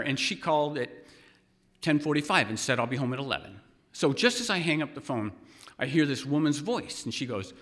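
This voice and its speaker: A man telling a wry, animated personal story to a live audience, building suspense. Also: a little high. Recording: long hall reverb.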